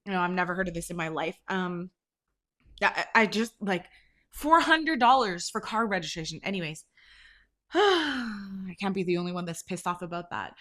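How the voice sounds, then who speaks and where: A woman's voice: on the low side, normal speed. Chatty, congested woman venting. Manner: chatty, venting, animated, swears freely. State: congested from allergies. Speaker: podcast host. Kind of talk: casual chat, storytelling.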